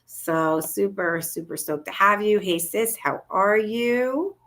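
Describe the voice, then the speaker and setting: A woman's voice: mid-range voice, slow pace, a bit bright. A woman co-hosting a casual livestream talk show from home on a video call, bubbly and gushing. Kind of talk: casual upbeat livestream chat. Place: home, indoors, in Florida.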